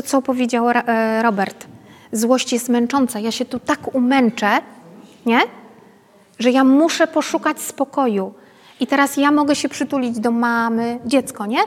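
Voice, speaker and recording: High-voiced woman leading a workshop. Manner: chatty, often adds tag questions to check in with listeners. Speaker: pedagogue leading a parenting workshop. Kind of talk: informal workshop talk to a group. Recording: long reverb from a hall.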